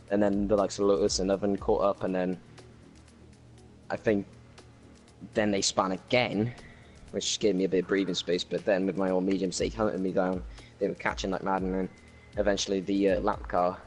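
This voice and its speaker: A Welsh man with a low, flat voice runs loosely through his race, with plenty of ums and restarts. He talks casually into a home microphone, and faint music plays underneath. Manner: rambling race recap with many fillers. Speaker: racing league driver. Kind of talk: casual post-race chat. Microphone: new home microphone.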